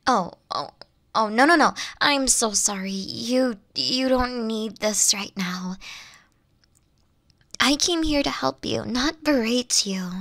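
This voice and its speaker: A woman acts out a caring young witch girlfriend in an intimate ASMR roleplay. Her soft voice is unhurried and frayed with vocal fry, slipping into whispers. It sits very close and dry on the microphone, tender, coaxing and a little teasing. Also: high voice, dry recording, heavily acted. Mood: apologetic, worried. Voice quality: soft, breathy, often dropping to whispers.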